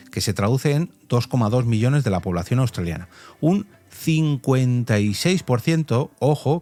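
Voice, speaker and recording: A man's voice: medium pitch, darkish tone. A man hosts a solo podcast, explaining things conversationally and adding asides. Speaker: podcast host.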